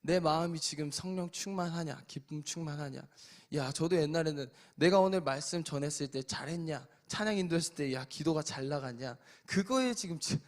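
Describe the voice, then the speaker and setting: A man preaching a sermon as pastor, swinging between loud exhortation and soft, quiet asides. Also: fairly high pitch, a little fast. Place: church sanctuary.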